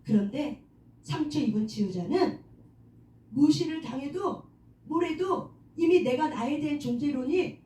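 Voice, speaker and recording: A woman's voice: high voice, animated, measured pace, dark tone, distant mic. A woman leading a prayer meeting, preaching on forgiving oneself, asking the audience questions, answering them herself and calling for amens. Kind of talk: sermon on self-forgiveness. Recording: echoey room, voice from off-mic.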